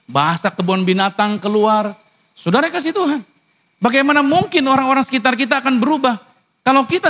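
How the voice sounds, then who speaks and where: A pastor preaching a sermon, mixing casual slang with formal lines and asking the congregation rhetorical questions. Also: male voice. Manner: swings from high excited lines to low earnest ones.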